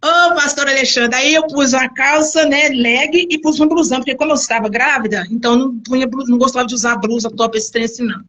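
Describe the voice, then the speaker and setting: A middle-aged woman from Brazil speaks as a pastor sharing her testimony. Her voice sits high. She tells the story with animated energy, slipping into the voices of the people she quotes. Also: fast, hardly any pauses. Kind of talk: personal testimony.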